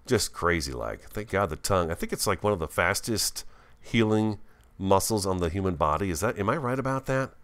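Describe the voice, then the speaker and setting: Male gaming host, low voice with big swings in intonation, swollen tongue, thinks out loud in casual, excitable commentary. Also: fairly quick, smooth. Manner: chatty, thinks aloud, easily excited.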